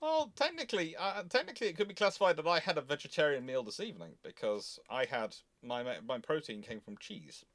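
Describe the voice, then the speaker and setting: A man's voice: on the high side, expressive, a little fast, few pauses, a bit bright. A man giving casual live commentary, explaining things emphatically and repeating himself to qualify each point carefully. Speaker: host of naval history live Q&A.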